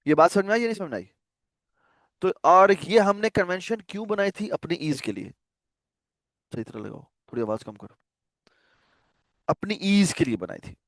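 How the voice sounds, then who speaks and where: A man's voice: on the high side, no room sound, clean studio sound. A man teaching a programming class on a video call, talking casually and often asking students whether they follow. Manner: conversational, checks understanding with frequent questions. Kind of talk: casual online lecture.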